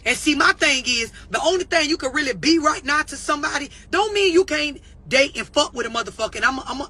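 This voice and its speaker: A man's voice: very high voice, bright, forceful tone, breathy edge. A man giving a profane, preachy self-help rant on a live stream, blunt and emphatic, often repeating himself for effect. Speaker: self-help motivational speaker.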